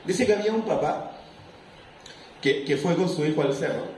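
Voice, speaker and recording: A man preaching a sermon as pastor, lively and animated, acting out little scenes. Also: on the high side, moderate pace, a little hiss or hum. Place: church. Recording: echoey room, mic far off.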